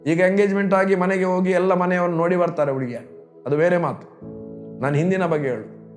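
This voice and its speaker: Male pastor, storytelling sermon delivery, high voice. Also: steady tone, fairly quick, a little mellow, faint music behind. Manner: storytelling preacher, voices quoted pleas.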